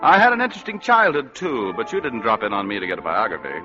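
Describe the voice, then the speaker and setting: A man's voice: medium pitch, huge pitch swings, quick pace. A man playing a hard-boiled private detective who narrates with dry, sardonic wisecracks in a vintage radio drama. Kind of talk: 1940s radio acting. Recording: muffled old radio broadcast with music.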